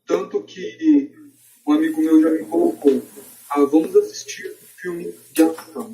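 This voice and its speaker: Echoey, distant, mellow Brazilian man. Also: fairly high pitch, creaky, a little hiss or hum. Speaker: podcast debate participant. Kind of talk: casual podcast discussion. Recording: echoey room, distant from mic.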